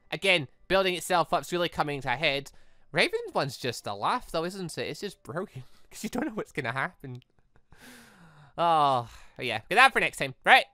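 Lively, bright-voiced man commentating. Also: a little high, smooth, no room sound, clean studio sound. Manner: rambling, thinking aloud; animated, expressive. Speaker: gaming channel host. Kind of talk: casual playthrough commentary. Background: background music.

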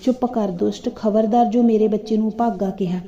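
A woman's voice: mid-range voice, steady tone, a little fast, dark tone, lightly acted. A woman voicing a jealous, scheming woman who scolds and accuses. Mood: furious. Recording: dull lo-fi recording.

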